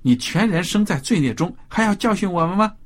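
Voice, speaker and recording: A man with a husky voice reads the scornful lines of the Pharisees in a scripture passage. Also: sits high, animated, fairly quick, pitched above the performer's own voice. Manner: read aloud, raised and emphatic. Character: stern scolding Pharisees, group of men.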